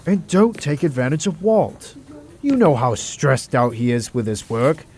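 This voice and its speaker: A man's voice: mid-range voice, expressive, unhurried, a little mellow. A man playing a courteous but stern senior male doctor in an audio drama, with formal diction. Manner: formal, polite, firm. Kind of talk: amateur audio drama acting.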